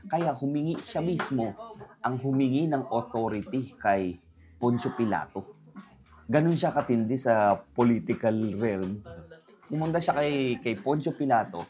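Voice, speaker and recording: A man telling a story in casual chat, rambling and animated, quoting voices as he goes. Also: medium pitch, a little slow. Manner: rambling, animated retelling with quoted voices and code-switching.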